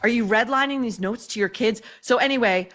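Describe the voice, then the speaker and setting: A woman's voice: fairly high pitch, fairly quick, a bit bright, slight background noise. A woman giving opinionated commentary in a sarcastic, profane manner.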